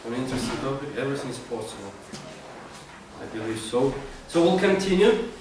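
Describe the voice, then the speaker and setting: A man's voice: mid-range voice, expressive, fairly quick. A man acting as host of a club meeting, introducing speakers to the room. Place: meeting room, recorded from a distance. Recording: very echoey room, distant mic, noisy, clicks.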